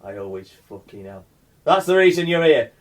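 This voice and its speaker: A man's voice: fairly high pitch, big pitch swings, normal speed, distant mic. A man playing a smug, foul-mouthed, sarcastic dead man in a radio play.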